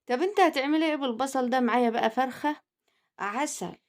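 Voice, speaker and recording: Egyptian woman hosting a home cooking channel, high voice, quick chatty delivery, middle-aged. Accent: Egyptian Arabic. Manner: chatty, teasing, addresses viewers directly. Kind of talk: cooking video narration.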